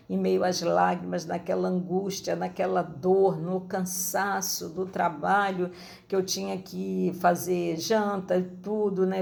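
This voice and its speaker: Gravelly-voiced woman missionary from Rio. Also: fairly low pitch, a little mellow, a little hiss or hum. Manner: rambling, frequent tag questions. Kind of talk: personal testimony.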